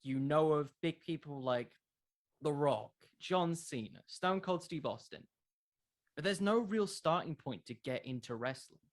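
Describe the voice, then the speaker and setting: A man's voice: a little high, expressive, a little slow. A man chatting casually as an interview guest, explaining his ideas in an earnest way. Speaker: podcast creator, interview guest.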